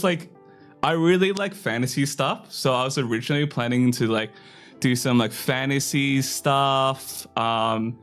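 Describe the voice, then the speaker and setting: A young man chats casually on a live stream, rambling with lots of fillers and poking fun at himself. His throat is a little hoarse and his voice sits at an ordinary middle pitch. Faint music plays behind him. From Australia. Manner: rambling and self-deprecating, full of fillers.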